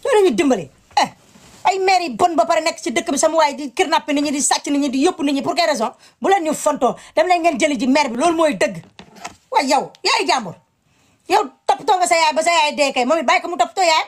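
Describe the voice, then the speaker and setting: A woman's voice: high voice, expressive, quick pace. A woman giving impassioned commentary, indignant and emphatic, repeating her words.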